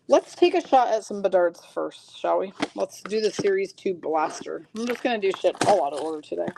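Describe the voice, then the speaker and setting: Speaking at a medium pitch with a somewhat mellow tone, this woman runs a live card break, reading out cards and teams while chatting with her viewers. She's a bit froggy, and the rough recording carries some hiss or hum.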